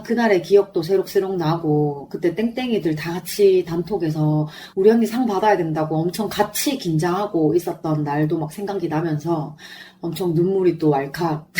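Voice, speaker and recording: A woman's voice: lowish voice, a little hiss or hum. A woman podcaster chatting solo in an effusive, fannish way about a show she attended, her throat sore and strained. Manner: effusive, animated fan talk. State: sore, strained throat after singing along. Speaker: podcast host. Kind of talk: chatty solo concert review.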